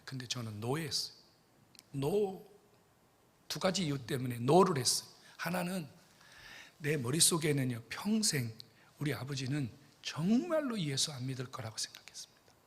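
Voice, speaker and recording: A middle-aged male pastor telling a story in a sermon, dropping to hushed whispers and then bursting out loud, repeatedly speaking straight to the congregation. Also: on the high side, slightly rough. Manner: dramatic, swings between hushed whispers and sudden loud bursts; addresses congregation directly, repeats phrases. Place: church sanctuary. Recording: long church reverb.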